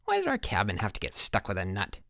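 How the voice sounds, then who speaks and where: A man's voice: lowish voice, huge pitch swings, quick pace, creaky, pushed and bright, no room sound, studio quality, full character voice. Man voicing a blunt, scornful boy camper. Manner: blunt, complaining.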